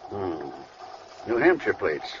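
A man's voice: sits low, very animated, takes it slowly, heavily acted. A man playing a businesslike, suspicious 1930s beat cop with a clipped, official manner, in vintage radio crime drama style. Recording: muffled, noisy old radio recording.

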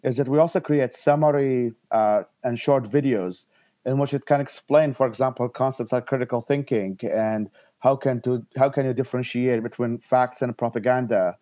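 A man from Iraq, in his thirties, answering interview questions in halting speech with frequent restarts and fillers. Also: mid-range voice, steady tone, warm tone, no room sound, muffled recording. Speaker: guest, nonprofit founder.

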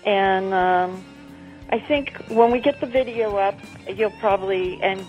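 A woman's voice: medium pitch, a little slow, muffled recording, faint music behind. A woman in her eighties speaking as a radio guest in a plain, matter-of-fact way. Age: 80s.

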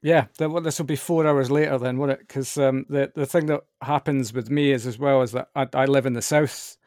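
A man from Scotland with a softened Scottish accent, hosting a podcast in a bright, chatty, self-deprecating way. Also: mid-range voice, steady tone, a little fast, no room sound, studio quality. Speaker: podcast host. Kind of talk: upbeat podcast chat.

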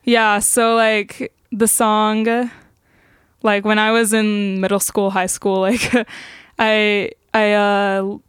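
Slow-talking young woman, very clear voice. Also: mid-range voice, level tone, dry recording, clean studio sound. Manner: hesitant, frequent "like" filler. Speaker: singer-songwriter guest. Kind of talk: casual interview chat.

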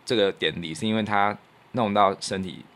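A man with a fairly low voice and a Taiwanese Mandarin accent talks in a casual, reflective podcast style. He explains his thoughts humbly, playing himself down as he goes. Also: normal speed, a bit bright. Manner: modest, self-effacing. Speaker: podcast co-host, radio producer. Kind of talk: casual chat, reflective storytelling.

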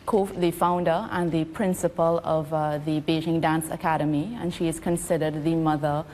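A woman from Trinidad and Tobago, an ambassador answering interview questions in a measured, diplomatic, informative manner. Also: low voice, steady tone, a little mellow, big-room sound, slight background noise.

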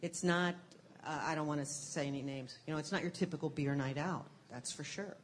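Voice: mid-range voice, fairly even intonation, fairly quick, slight background noise. A speaker who runs craft beer classes, explaining them earnestly in casual chat with some fillers.

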